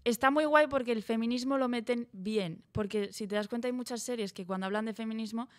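Woman, chatty, eager, rambling, fairly high voice. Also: a little fast. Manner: chatty, enthusiastic, rambling with fillers. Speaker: guest. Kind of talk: casual chat about TV series.

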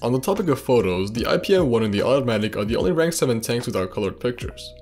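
A man's voice: mid-range voice, very animated, fast talker, a little mellow, soft background music. A man reading scripted narration for a video game trivia video.

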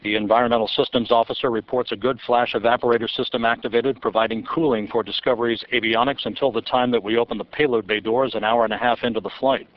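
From mission control, a male launch commentator calls a rocket launch live, reading out times, altitudes and speeds. His delivery is steady and measured at a middle pitch. The broadcast audio is dry and sounds somewhat dull and muffled.

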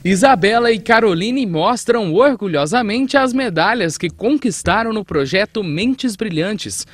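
A reporter narrating a news feature voice-over in a steady manner. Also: female voice, mid-range voice, unhurried. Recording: reverberant voice-over.

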